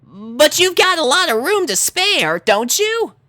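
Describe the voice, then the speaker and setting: A man voicing a brash, tomboyish young female pegasus pony who calls out loudly and eagerly. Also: very high voice, sing-song, unhurried, dry recording, clean studio sound, voice pushed up, full character voice.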